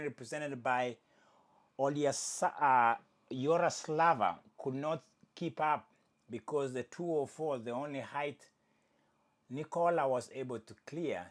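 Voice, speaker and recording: A man's voice: medium pitch, measured pace. A man hosting a casual sports commentary show, with Swahili as his first language, joking and correcting himself as he talks. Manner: animated, jokey, self-correcting. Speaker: host.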